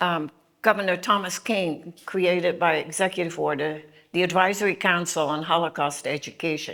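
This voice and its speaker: In a slight Dutch accent, a woman talks at a moderate pace with fairly even intonation and a fairly low pitch, captured in a very clean recording with a silent background. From Netherlands. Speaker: Holocaust survivor speaker. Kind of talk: testimony talk. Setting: speaking to a club audience.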